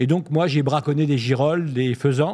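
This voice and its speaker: In an unremarkable speaking voice, a man talks at a moderate pace, fairly high in pitch and with fairly even intonation. The recording is very clean, with a silent background. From France, Blois. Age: 50s. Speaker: member of parliament. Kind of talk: political interview.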